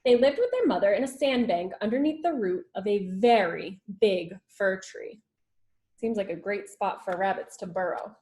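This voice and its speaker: A woman's voice: medium pitch, animated, normal speed, darkish tone. A woman teacher reading a children's storybook aloud expressively, with little asides about the pictures. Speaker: schoolteacher reading to her class.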